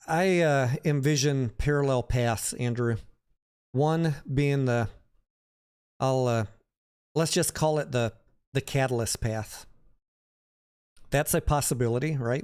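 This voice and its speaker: A man's voice: medium pitch, darkish tone, clear, resonant tone. A man hosting a livestream, talking casually about the stock market and answering viewers by name in a conversational way.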